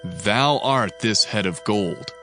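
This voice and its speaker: A man's voice: fairly low pitch, slow pace, bright, forceful tone. An actor playing a grave, reverent prophet interpreting a king's dream in a dramatized scripture reading, in a declamatory, oratorical manner. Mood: grave, proclaiming. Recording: music bed behind the voice.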